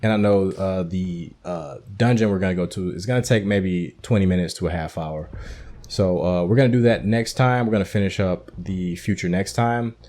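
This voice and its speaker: A man hosting a gaming video, giving casual, informal playthrough commentary in a halting, thinking-aloud way. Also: low-pitched, dark tone.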